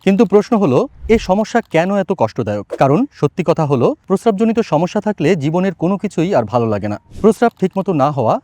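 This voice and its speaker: A man's voice: a little high, very animated, fast, warm tone, dry recording. A man reading scripted advertisement narration as a voice-over artist, with a persuasive, emphatic sales delivery.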